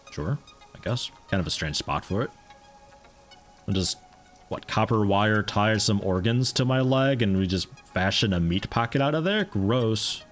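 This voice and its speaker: A young American man streaming a game, chatting casually in a rambling, self-interrupting, amused way, with a mixed accent that carries some European mannerisms. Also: fairly low pitch. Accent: mixed American with picked-up European mannerisms. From United States. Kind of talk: casual live-stream chat while playing.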